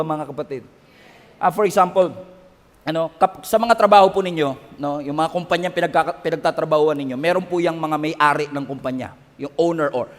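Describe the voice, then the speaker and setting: A man preaching a sermon, switching between Tagalog and English, often asking the crowd for an amen. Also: high-pitched. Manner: Taglish preaching, animated, calls for amens. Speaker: pastor. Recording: long reverb of a hall.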